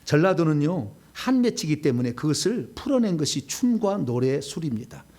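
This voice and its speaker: A middle-aged man preaching a sermon as a pastor, swinging between loud bursts and quiet asides. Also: fairly high pitch, very animated, moderate pace.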